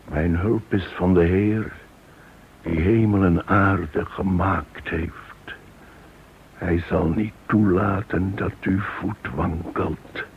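An actor playing a devout, steadfast Jewish man in a radio drama, speaking in a solemn, measured way. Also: low-pitched, fairly even intonation. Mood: solemn, trusting. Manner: solemn, measured scripture reading. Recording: dull, noisy old radio drama recording.

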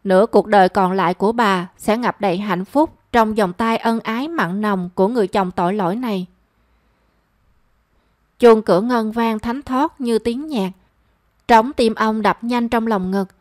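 A woman reading a romance story aloud as narrator, in a measured and expressive storytelling manner. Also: medium pitch, no room sound, studio quality.

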